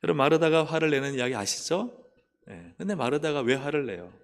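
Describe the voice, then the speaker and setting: A man's voice: fairly high pitch, brisk. Preaching man in an echoing church. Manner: animated preaching, asks the congregation questions. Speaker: pastor. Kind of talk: sermon. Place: church sanctuary. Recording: long church hall reverb.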